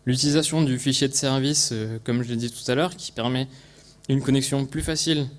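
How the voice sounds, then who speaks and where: A man's voice: medium pitch, steady tone, fairly quick. A man with an accent from France presents a technical project at a conference, often restarting phrases and repeating words. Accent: French from France.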